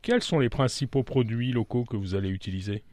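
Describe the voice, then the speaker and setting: A man presenting a radio programme, reading a scripted introduction and then putting questions to a guest in a measured, clear way. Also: medium pitch, darkish tone, no echo. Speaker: radio host.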